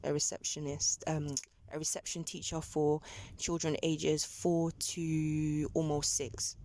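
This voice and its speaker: A woman's voice: low voice, flat delivery, takes it slowly, mellow. A woman, a taxi rider telling her life story in a plain, matter-of-fact way, with restarts along the way. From London. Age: 20s. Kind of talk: personal life story told in conversation. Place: back of a taxi. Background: child's noise and ambience.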